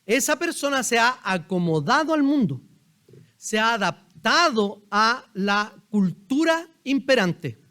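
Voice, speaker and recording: A man with a Chilean accent delivers a sermon from the pulpit of a church. His voice sits high for a man, and he keeps it conversational, firing questions at the congregation. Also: sing-song, slow, pushed and bright. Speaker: pastor. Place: church sanctuary.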